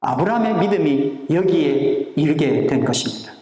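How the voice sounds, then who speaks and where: A man's voice: a little high, lively intonation, normal speed, dark tone, recorded from a distance. A male pastor preaching a sermon and leading the congregation in reading together and repeating after him. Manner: leads congregation in unison reading and call-and-response. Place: church sanctuary. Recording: echoey church hall.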